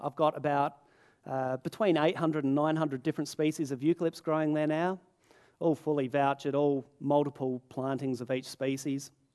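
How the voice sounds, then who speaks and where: A man with an Australian accent and a fairly high pitch speaks at a fairly quick pace with fairly even intonation, his dry, close sound free of echo against a quiet background. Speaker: botanist. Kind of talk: lecture. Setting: stage with audience. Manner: hesitant, many fillers.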